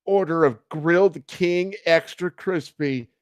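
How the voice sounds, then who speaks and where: A swaggering male cartoon cat hero, acted out by a man reading a story. He is smug, seductive and grandly righteous. The voice sits a bit high for a male and is recorded close and dry. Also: slow, clean tone, no room sound. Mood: cool, lecturing.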